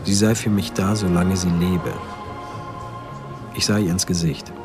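A sober friend recounting events in a radio play. His voice is low and reflective, with music playing clearly behind him. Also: fairly even intonation, a little slow. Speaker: actor narrating as a character. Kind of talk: first-person radio drama narration.

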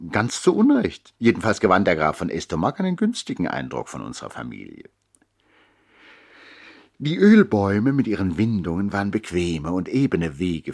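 A man acting as narrator in a literary radio play, reflecting in a measured, articulate way on his brother's life. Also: low voice, husky, full character voice. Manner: measured, articulate, expressive storyteller.

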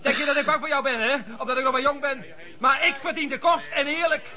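An actor in a Dutch radio play playing a proud, defensive young street pedlar. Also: male voice, very high voice, steady tone, sharp tone, full character voice. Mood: indignant. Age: young adult. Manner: halting, then heatedly defiant. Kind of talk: Dutch radio drama acting.

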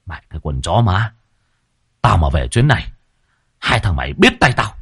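A man's voice: sits low, sing-song, normal speed, a bit bright, slightly rough, no echo, studio quality, exaggerated voice. A man voicing a tall, hot-tempered younger son who hisses angry demands in a storybook tale. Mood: furious. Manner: angry, hissing through teeth.

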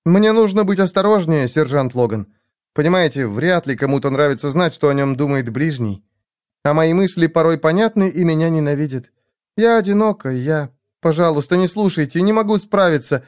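A man voicing a lonely, high-strung young woman who pleads and frets. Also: animated, moderate pace, darkish tone, clean tone, no room sound, studio quality, lightly acted.

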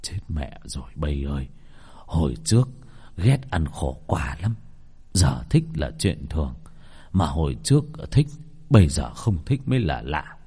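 Một người đàn ông giọng miền Nam đóng vai một ông cụ già sợ hãi, giọng trầm lẩm bẩm. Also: male voice, lively intonation, fast talker, hardly any pauses, warm tone. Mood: whispering. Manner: low muttering, fearful. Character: frightened old grandfather, low and muttering.

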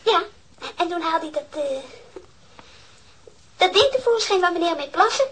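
A woman's voice: very high-pitched, lively intonation, moderate pace, a bit bright. A woman playing a candid, chatty little girl in a radio drama, telling things eagerly in a hesitant childlike way. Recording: noisy old radio drama recording.

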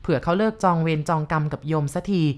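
A woman voicing a calm forest monk. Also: low-pitched, quick pace, close to an everyday voice. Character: calm wandering forest monk, older man.

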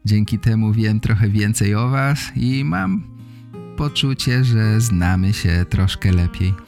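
Slow, low-voiced man hosting a podcast. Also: animated, vocal fry, darkish tone, soft background music. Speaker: podcast host for learners of Polish. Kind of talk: slow, simple scripted talk for language learners.

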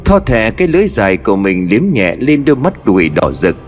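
A man narrating a horror story in a dramatic, expressive way. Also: lowish voice, a little fast. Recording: long reverb with faint music.

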